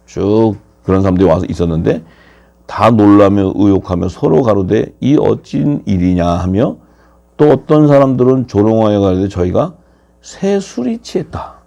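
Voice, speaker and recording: A man preaching a sermon, lively and questioning his listeners, his pitch swinging up and down. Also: normal speed, gravelly. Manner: animated, asks the audience questions, pitch swings widely.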